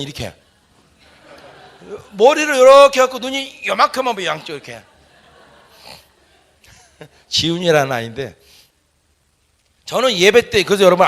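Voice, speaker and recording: A man pastor preaching a sermon, telling stories with animated delivery that rises into shouts. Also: high-pitched. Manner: animated storytelling, rising to shouts.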